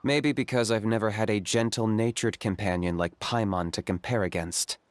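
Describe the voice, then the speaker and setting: A man playing a calm, practical young tribal hunter in a video game, with a dry, matter-of-fact delivery. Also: on the low side, moderate pace, natural voice. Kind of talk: video game character acting. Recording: game music behind the voice.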